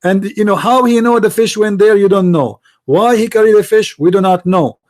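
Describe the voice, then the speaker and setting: High-pitched, confrontational Arabic-accented man. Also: moderate pace. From Middle East. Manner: confrontational, insistent, repeats phrases and questions. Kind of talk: heated religious debate.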